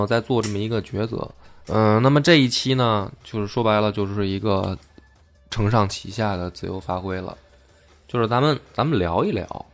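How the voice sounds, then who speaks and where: A man hosting a casual history podcast, explaining deliberately and often rephrasing himself. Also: fairly low pitch. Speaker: podcast host.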